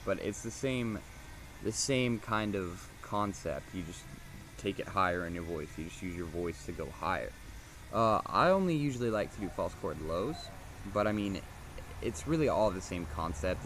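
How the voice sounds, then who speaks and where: A man giving a casual, loosely explained how-to lesson as a vocal instructor, in an informal, repetitive way. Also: on the low side. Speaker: vocal screaming tutorial instructor. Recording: noisy homemade recording, steady background noise.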